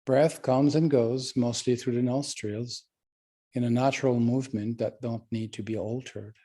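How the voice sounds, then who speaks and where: A man leading a guided meditation as a teacher, speaking calmly and gently with unhurried pauses. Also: mid-range voice.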